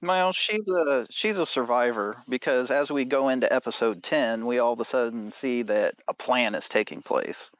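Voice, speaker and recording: A man's voice: mid-range voice, normal speed, few pauses, fairly bright tone, no echo, lo-fi sound. A man recapping a story as a podcast guest, in a casual, wry way. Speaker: podcast guest, writer and editor.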